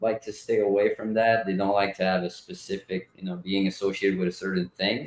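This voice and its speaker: The man speaking has a fairly low pitch. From New Brunswick, Canada (francophone). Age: 40s. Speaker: actor and fitness coach. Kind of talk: interview.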